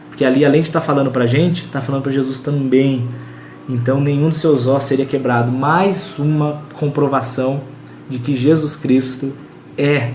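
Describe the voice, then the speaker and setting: A man's voice: mid-range voice, a little mellow, roomy sound, a little hiss or hum. A man with a Brazilian Portuguese accent teaching a casual Bible study, emphatic and repetitive, with slangy asides.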